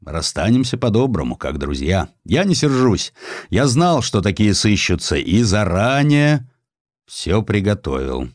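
A man's voice: lowish voice, very animated, a little slow, no echo, studio quality. A man voicing a hardened, proud Cossack warlord in an audiobook, with a weighty, declamatory manner. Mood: calm, resigned.

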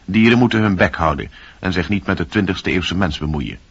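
A man giving a scripted, literary introduction to a radio play as announcer, with a husky voice. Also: sits low, fairly quick, no echo. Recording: dull, dry old radio recording.

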